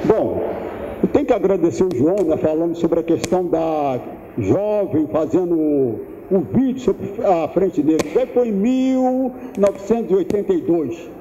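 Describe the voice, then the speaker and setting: A man in his seventies giving an unhurried, thoughtful lecture, pausing and restarting as he goes. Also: high-pitched, lively intonation, mellow, slight background noise. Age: 70s. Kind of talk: public lecture. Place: large lecture room. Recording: echoey hall, dull lo-fi sound.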